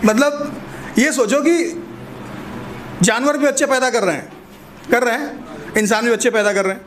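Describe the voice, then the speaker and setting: High-voiced male stand-up comic. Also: normal speed, background noise. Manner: chatty, teasing the audience with questions. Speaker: stand-up comedian. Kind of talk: stand-up comedy set.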